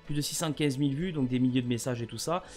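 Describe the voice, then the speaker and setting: A man's voice: mid-range voice, fast talker, a little mellow, faint music behind. A French man chatting casually to camera about a gift, often rambling and stammering over his words. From France. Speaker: gaming vlogger.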